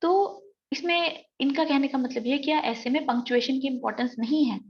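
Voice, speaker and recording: A woman with an Indian English accent teaches an exam-prep lecture, explaining each point step by step. Her voice sits a little high. The recording is slightly dull and lo-fi. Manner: explains step by step, reads sentences out slowly.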